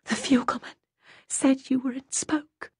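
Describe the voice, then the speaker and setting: A woman's voice: high-pitched, flat delivery, unhurried, husky, pitched above the performer's own voice, full character voice. A woman reading an audiobook, voicing a tearful middle-aged mother whose voice breaks as she cries with relief. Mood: tearful, overwhelmed. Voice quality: breaking, trembling voice. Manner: hushed, urgent, emotional. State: crying. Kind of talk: audiobook character voice.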